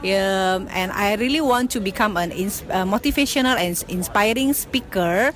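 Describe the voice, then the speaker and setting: A woman from Indonesia, a convention attendee, speaking enthusiastically with some pauses and fillers. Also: mid-range voice, fairly bright tone, soft background music. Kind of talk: interview answer.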